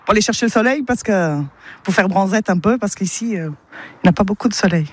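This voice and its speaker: A woman who grew up in Luxembourg, chatting cheerfully in a casual radio street interview, laughing easily and pausing on fillers. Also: mid-range voice. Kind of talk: casual radio vox-pop chat.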